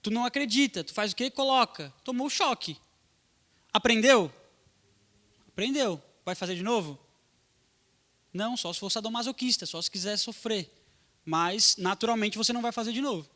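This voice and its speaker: A young pastor preaches in a loose, slangy way, talking straight to young people. His voice sits high and sounds bright and forward. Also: fast. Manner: casual slangy preaching, talks to youth. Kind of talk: sermon.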